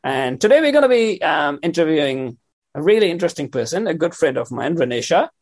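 A man's voice: fairly high pitch, very animated, a little fast. A man hosting a community radio interview, friendly and rambling with many fillers. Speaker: radio host.

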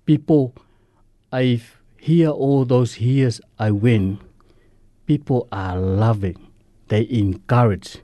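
A Samoan man, whose first language is Samoan, speaking earnest, halting English as a guest in a radio interview. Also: medium pitch, dark tone, dry recording. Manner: earnest, halting, simple non-native English. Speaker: guest sharing recovery story.

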